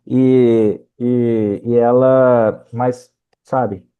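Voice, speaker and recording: A man's voice: medium pitch, level tone, drawn-out words, smooth, narrow, tinny audio. A middle-aged Brazilian man from Minas Gerais, a researcher speaking as an interview guest, explaining through anecdotes with frequent check-in tags. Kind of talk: conversational interview storytelling.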